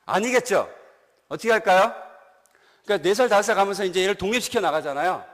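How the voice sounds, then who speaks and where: Male pastor, high voice, long church reverb; animated sermon with questions to the congregation. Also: quick pace. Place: church sanctuary.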